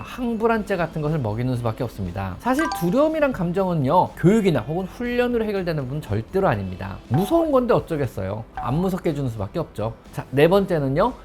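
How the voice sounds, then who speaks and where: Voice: mid-range voice, a little mellow. A veterinarian hosting a pet-care talk, explaining in an emphatic way and stretching the ends of phrases.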